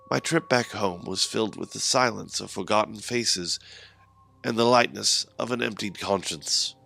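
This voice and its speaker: A man's voice: fairly low pitch, gravelly, a bit bright. A man narrating a scripted first-person horror story. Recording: music under the voice.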